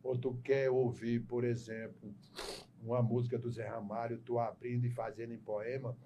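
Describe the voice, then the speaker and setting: A middle-aged man telling jokes in a casual chat, animated and often laughing as he goes. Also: medium pitch, normal speed, lo-fi sound, slight background noise. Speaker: comedian guest.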